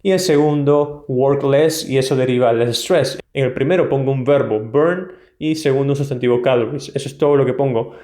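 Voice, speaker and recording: A man with a Latin American Spanish accent teaches a test-prep video lesson, explaining clearly and emphatically and checking in with "ok?". His mid-range, mellow voice moves briskly with hardly any pauses.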